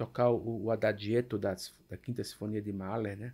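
Against a quiet background, a man is speaking. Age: 50s. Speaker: orchestral cellist; podcast guest. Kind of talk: casual interview. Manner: halting, repeats words. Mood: warm, emotional about music. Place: studio. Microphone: studio mic.

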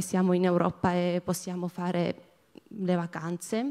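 The recording is very clean with a silent background as a woman with a Georgian accent speaks at a medium pitch and a fairly slow pace. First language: Georgian (speaking Italian). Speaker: European volunteer. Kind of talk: testimony.

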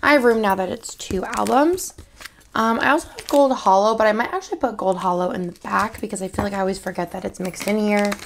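Talking at a very fast pace amid noticeable background noise, a woman of medium pitch shows ordinary pitch variation. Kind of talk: casual chatty video. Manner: casual, rambling, chatty.

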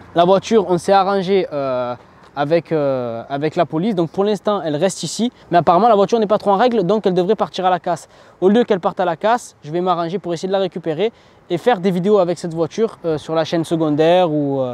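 Talking very fast, a man with a high voice and ordinary pitch variation comes through in a dry sound with no echo. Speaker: video creator. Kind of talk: casual vlog chat. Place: street. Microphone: lapel.

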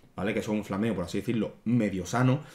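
Very fast delivery from a man, fairly low in pitch, with fairly even intonation. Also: quiet background. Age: 20s. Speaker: gaming youtuber; gaming content creator. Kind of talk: casual vlog monologue. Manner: hesitant, many fillers. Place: home room.

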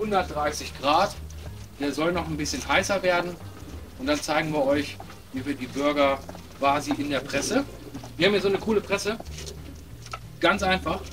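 A man with ordinary pitch variation and long, frequent pauses, music in the background. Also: moderate pace. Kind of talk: cooking tutorial. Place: garden. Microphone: camera far.

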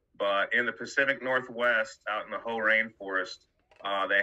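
Speaking at a moderate pace, a man talks with a Midwestern American accent. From northern Ohio. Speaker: wilderness survival instructor and outdoor gear seller; guest. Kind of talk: interview answering student questions. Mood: relaxed, storytelling. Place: home room. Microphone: video call.

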